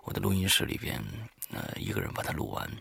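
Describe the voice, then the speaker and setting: Low, gravelly, hesitant man hosting. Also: big pitch swings, quick pace, fairly bright tone. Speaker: host of an audio horror story show. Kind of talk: informal spoken monologue to listeners. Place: recording studio, alone.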